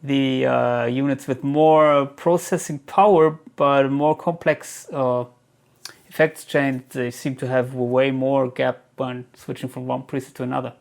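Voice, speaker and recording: A man giving a casual gear Q&A as a reviewer, speaking haltingly as he thinks aloud. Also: mid-range voice, fairly even intonation, creaky. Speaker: guitar gear reviewer answering viewer questions. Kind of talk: casual product Q&A talk.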